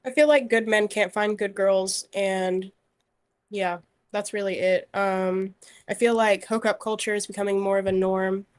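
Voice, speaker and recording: A woman's voice: medium pitch, steady tone, measured pace. A woman in her twenties, a guest in a casual interview, talking easily with lots of "like" and "I feel like". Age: 20s. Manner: easygoing, filler-heavy with "like" and "I feel like".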